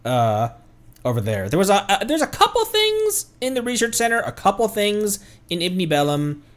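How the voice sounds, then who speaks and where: A man's voice: sits high, huge pitch swings, moderate pace, fairly bright tone. A man streaming a video game with casual, playful live commentary, reacting and exclaiming as he plays. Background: faint game music.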